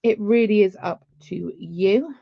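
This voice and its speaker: A woman's voice: medium pitch, unhurried, creaky, no echo, muffled recording. Chatty woman teaching beading. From England. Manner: chatty, rambling asides. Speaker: beading tutor. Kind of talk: live craft tutorial.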